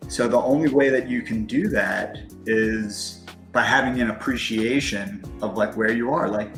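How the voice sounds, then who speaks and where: A man in his early forties, a guest in a casual interview, talking fast and filling his speech with "like" and "you know". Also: on the low side, fairly bright tone, roomy sound, soft background music. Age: 40s.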